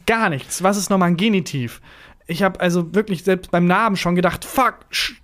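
A man's voice: high voice, moderate pace, fairly bright tone. A man who is a native German speaker, telling anecdotes casually as a podcast host and acting out quoted speech.

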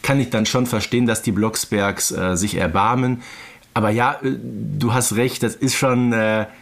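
A man's voice: on the low side, fairly even intonation, normal speed, faint music behind. A man co-hosting a casual review podcast, conversational and often seeking agreement with short tag questions. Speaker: podcast host. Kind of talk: casual review chat about audio dramas.

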